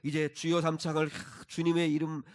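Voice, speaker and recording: A man preaching a sermon as pastor, moving between quiet asides and loud, emphatic exhortation, and leading the congregation in reading scripture. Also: fairly high pitch, completely flat delivery, normal speed.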